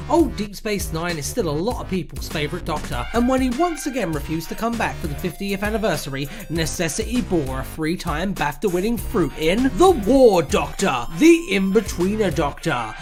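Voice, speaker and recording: A woman's voice: lowish voice, sing-song, normal speed, few pauses. A woman presenting comedic scripted narration in a tongue-in-cheek, mock-dramatic way. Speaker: video essay presenter. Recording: voice-over with music behind. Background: music.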